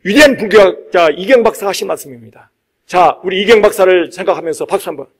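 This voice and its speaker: High-pitched man preaching an emphatic Buddhist sermon. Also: animated, fast, slightly rough. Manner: emphatic, repeats key phrases for stress. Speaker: Buddhist monk giving a dharma talk.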